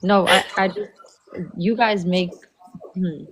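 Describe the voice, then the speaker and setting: A woman from South Africa in her thirties hosts a relaxed live chat, laughing easily and rambling through stories. Her voice is low and gravelly. A faint hiss sits under the recording. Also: slow pace. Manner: laid-back, laughing, loose storytelling. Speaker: livestream host. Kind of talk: casual chat.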